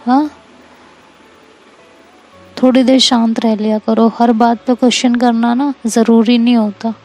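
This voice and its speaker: A hurt young woman who scolds her girlfriend sharply, as a female storyteller plays her. Her voice sits a touch high, with a gravelly texture and a warm, dark tone. She is bossy and stern. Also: little pitch movement, unhurried, soft background music. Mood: scolding. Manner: stern, scolding, tearful at times. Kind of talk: storyteller voicing a character.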